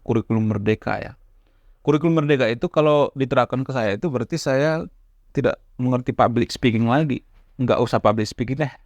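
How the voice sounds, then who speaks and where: A man's voice: mid-range voice, darkish tone, dry recording. Man who stammers at times. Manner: stammers at times, restarts words, conversational fillers. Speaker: YouTube channel host. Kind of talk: casual talk to camera. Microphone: camera mic, close.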